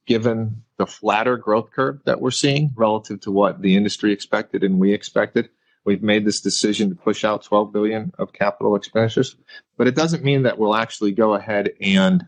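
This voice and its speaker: A man speaking as a company executive, giving measured, careful business answers on an earnings call. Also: fairly low pitch, steady tone, dry recording, rough recording.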